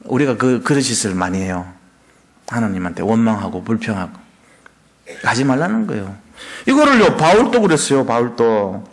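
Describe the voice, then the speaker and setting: A man preaching a sermon, animated, firing off rhetorical questions and acting out people's complaints. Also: mid-range voice, normal speed. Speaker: pastor. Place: church.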